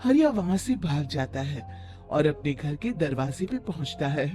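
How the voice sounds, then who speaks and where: Story narrator: animated intonation, mellow tone, scripted delivery, music underneath. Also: medium pitch, a little slow.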